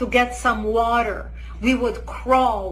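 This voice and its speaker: A woman's passionate voice at a very slow pace, with audible room echo. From Lebanon. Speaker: activist speaker. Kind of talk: personal testimony speech.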